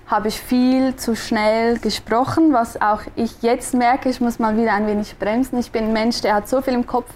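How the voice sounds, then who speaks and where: A woman's voice: on the high side, fairly even intonation, moderate pace, few pauses, a little mellow, a little hiss or hum. Young Swiss woman, thoughtful and searching. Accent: Swiss German. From Switzerland. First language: Swiss German. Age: young adult. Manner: thoughtful, searching for words, frequent restarts. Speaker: guest, designer and podcaster. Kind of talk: conversational interview answers.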